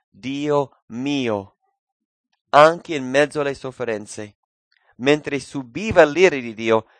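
Male preacher, mid pitch, dramatic sermon delivery with loud peaks and hushed drops, dry close mic. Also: no room sound. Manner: dramatic swings between loud cries and hushed low phrases.

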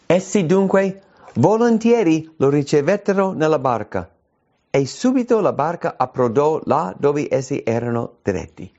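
A man delivers a sermon with a gravelly, mellow voice. His pitch swoops widely, jumping high when he acts out quoted cries. The recording is dull and lo-fi. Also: a little slow. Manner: animated preaching, voice leaping high when quoting cries. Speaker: preacher.

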